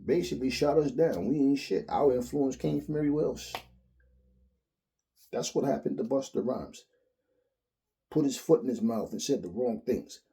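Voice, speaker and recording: A man, giving a blunt, profane, animated solo rant as a boxing commentary host. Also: mid-range voice, normal speed, vocal fry, pauses often. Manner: blunt, profane, animated, mimics others in quotes.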